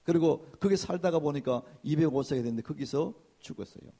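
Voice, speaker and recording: A man preaching a sermon as senior pastor, in a lively conversational way, acting out church gossip in hushed voices. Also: fairly high pitch, fairly quick, husky.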